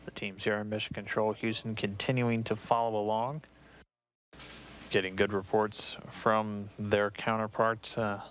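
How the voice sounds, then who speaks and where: An American man giving live launch commentary in a measured, matter-of-fact way. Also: lowish voice, little pitch movement, fairly bright tone, a little hiss or hum, poor audio.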